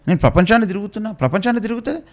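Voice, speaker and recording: A man speaking with a Telangana Telugu accent, his voice sitting a touch higher than most men's. He rebukes like a preacher, piling up rhetorical questions and repeating his warnings again and again. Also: animated, rapid-fire. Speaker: Christian commentator. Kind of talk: preachy rebuttal.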